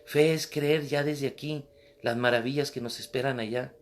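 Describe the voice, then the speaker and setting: A man's voice: medium pitch, steady tone, moderate pace. A man teaching a Bible class as a Catholic preacher, emphatic and repeating phrases for stress.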